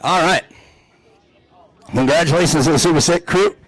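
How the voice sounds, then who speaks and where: A man announcing live at an outdoor off-road race track, energetic and joking as he hypes the crowd. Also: on the high side, normal speed, no echo, poor audio.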